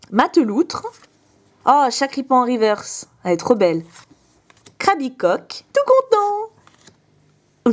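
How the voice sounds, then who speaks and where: A young woman vlogger opening fan mail in casual chat, gushing with quick exclamations and asides. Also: high voice, darkish tone.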